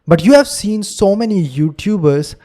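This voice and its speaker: A man's voice: high voice, big pitch swings, moderate pace, dark tone. A young man with an Indian English accent, a native Hindi speaker, talking alone on his podcast in an earnest, lecturing way. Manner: earnest, lecturing, acts out quotes in a raised voice. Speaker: podcast host. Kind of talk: solo podcast monologue.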